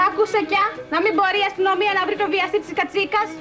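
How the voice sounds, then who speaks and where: A woman's voice: level tone, music in the background. A woman voicing a nagging middle-aged wife who scolds her husband in a comic sketch. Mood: scolding. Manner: shrill, scolding.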